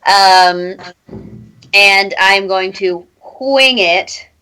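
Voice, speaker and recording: A woman playing a tabletop roleplaying game, speaking in a theatrical, halting way and repeating words as she slips between casual talk and character. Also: mid-range voice, sharp tone, clear, resonant tone, rough recording.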